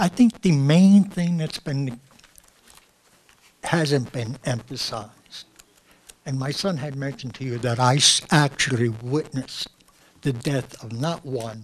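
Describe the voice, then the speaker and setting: A man with an American accent and fairly high pitch speaks at a fairly slow pace, somewhat breathy, with long, frequent pauses, big swings in loudness and ordinary pitch variation. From New Jersey, Franklin Township. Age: 80s+. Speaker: resident speaking at council meeting. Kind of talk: public comment.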